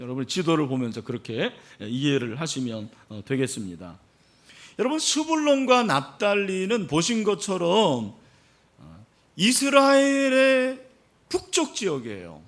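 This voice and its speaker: A man's voice: sits high, a bit bright. A middle-aged man preaching a sermon as pastor, explaining the passage and putting questions to the congregation. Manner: explanatory, asks the congregation questions, frequent fillers. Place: church sanctuary.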